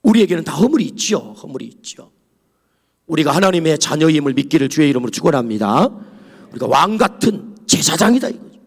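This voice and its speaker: A man preaching a sermon as pastor, lively and dramatic, dropping to whispers for quoted lines. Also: fairly high pitch, fairly quick, vocal fry, husky. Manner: animated preaching, whispering asides and acting out quoted voices. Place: church sanctuary. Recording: long church hall reverb.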